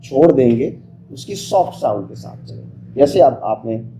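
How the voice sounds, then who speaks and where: A man's voice: mid-range voice, normal speed. A man teaching pronunciation in an interactive lesson, emphatically sounding out letters and quizzing his listener with short questions. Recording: echoey room with steady background noise.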